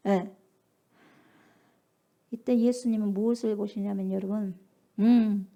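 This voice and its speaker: A woman pastor preaching a sermon at a prayer meeting, emphatic, swinging from loud calls to hushed whispers. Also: fairly high pitch. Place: church sanctuary.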